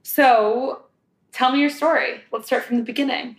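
A woman's voice: sits high, fairly even intonation, moderate pace, echoey room, rough recording. A woman interviewer asking curious, probing questions, recorded in a New York apartment. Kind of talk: casual interview.

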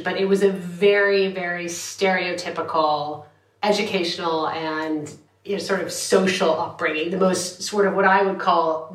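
A woman's voice: lowish voice, roomy sound, rough recording. A woman in her forties, a journalist guest chatting casually about growing up, with laughing, self-deprecating asides. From United States. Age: 40s. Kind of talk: casual interview. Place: London.

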